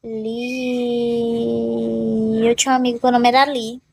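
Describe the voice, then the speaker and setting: A woman's voice: on the high side, flat delivery, unhurried, a little mellow, breathy edge. A young woman hosting a casual live stream, chatting playfully with viewers and laughing often. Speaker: livestream host.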